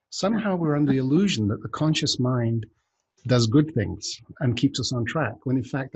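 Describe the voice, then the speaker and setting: A man's voice: mid-range voice, darkish tone, slightly rough. A man hosting a casual podcast chat, rambling and joking, often breaking off mid-sentence. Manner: rambling, self-interrupting, joking. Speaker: podcast host.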